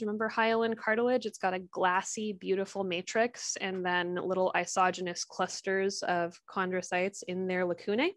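A woman's voice: medium pitch, a bit bright, no room sound, studio quality. Chatty woman lecturing on histology. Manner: chatty, jokey asides, frequent ums. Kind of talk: recorded lecture.

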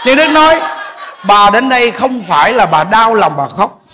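A man's voice: high voice, big pitch swings, normal speed, a crowd in the background, background noise. A man with a Southern Vietnamese accent, a Buddhist monk giving a humorous dharma talk, laughing often and speaking straight to his audience. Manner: jokey, laughing, addresses audience directly.

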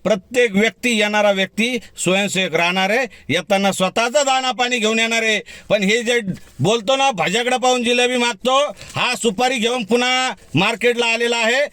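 A man's voice: very high voice, normal speed, bright, forceful tone, no echo. A man, an activist giving a heated, defiant rebuttal straight to the camera. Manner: defiant, heated, direct address. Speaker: community activist. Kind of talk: fiery video rebuttal.

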